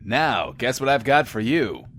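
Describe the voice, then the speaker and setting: An actor playing a wry, showy radio advice host in a post-apocalyptic audio drama, with a mock-grand manner. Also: male voice, medium pitch, big pitch swings, a little slow, noisy background. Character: sardonic male advice-show radio host in a wasteland.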